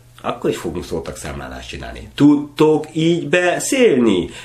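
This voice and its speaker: A man speaks over noticeable background noise, with audible echo in the room. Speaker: slam poet, actor and drama teacher. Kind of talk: casual chat.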